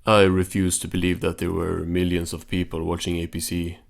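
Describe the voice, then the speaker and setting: A man's voice: sits low, monotone, a little fast, creaky, faint music behind. A man recapping a cartoon as host, in a casual, understated, offhand way.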